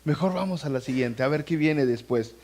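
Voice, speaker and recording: Lively pastor preaching. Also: male voice, fairly high pitch, normal speed. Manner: animated, acts out scenes and quoted voices; conversational, addresses the congregation directly. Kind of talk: sermon. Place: church sanctuary.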